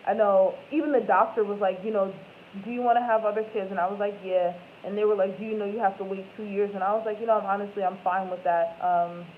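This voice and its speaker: A woman in her twenties chatting casually with viewers as host of a live stream, rambling and correcting herself as she goes. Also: mid-range voice. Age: 20s. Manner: rambling, self-correcting, lots of "like" and "um". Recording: tinny phone-like audio with faint noise.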